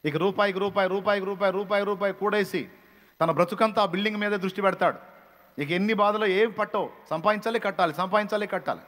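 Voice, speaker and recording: A man's voice: high voice, fairly even intonation, fast, a bit bright. A man preaching a fiery Telugu sermon as a pastor, scolding his listeners with repeated emphatic phrases. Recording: long hall reverb.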